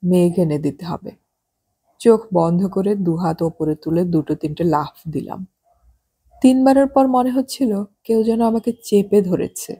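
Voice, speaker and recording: Woman narrating a novel, measured and calm, kinda husky and dark. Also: fairly low pitch. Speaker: audiobook narrator. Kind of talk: scripted audiobook narration.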